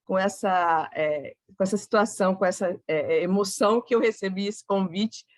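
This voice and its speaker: Halting Brazilian woman lecturing. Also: medium pitch, no echo, studio quality. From Cuiabá, Brazil. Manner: hesitant, restarts phrases. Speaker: guest lecturer. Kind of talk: academic talk to an audience.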